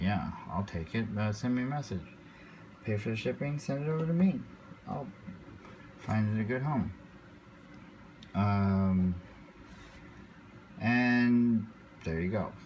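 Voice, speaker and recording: A man with a fairly low pitch talks at a fairly slow pace, with lively intonation and long, frequent pauses. Audible room echo and noticeable background noise are present. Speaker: vaping product reviewer. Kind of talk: casual monologue to camera. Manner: halting with many ums and uhs.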